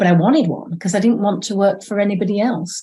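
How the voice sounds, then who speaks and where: With a Yorkshire accent, a woman talks in a dark, mellow tone that is somewhat breathy. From Yorkshire, northern England. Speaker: psychotherapist and coach. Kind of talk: interview conversation. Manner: hesitant, many fillers.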